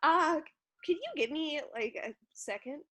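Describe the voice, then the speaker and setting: A woman's voice: high-pitched, animated, a little slow, fairly bright tone. An actress playing a nervous, lovestruck woman in a comedy sketch, hesitant and prone to stammering and bursting into song. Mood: dejected, anxious. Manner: hesitant, stammering when speaking. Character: nervous lovestruck woman who blurts out songs. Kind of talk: virtual staged comedy sketch reading.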